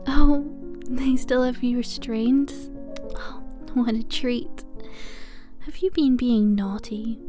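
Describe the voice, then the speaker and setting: A woman playing a possessive, lovesick asylum inmate in an ASMR roleplay, cooing endearments with breathy sighs and a sweetly menacing edge. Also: fairly high pitch, slow pace, mellow, faint music behind. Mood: teasing, doting, controlling. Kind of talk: ASMR roleplay, intimate scripted monologue.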